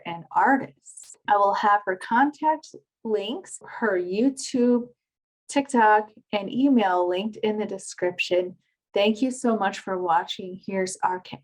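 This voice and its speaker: A woman with a mid-pitched voice hosts an interview podcast. She speaks emphatically and effusively, with open enthusiasm in how she presents things. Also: low-quality recording. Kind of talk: enthusiastic interview and channel introduction.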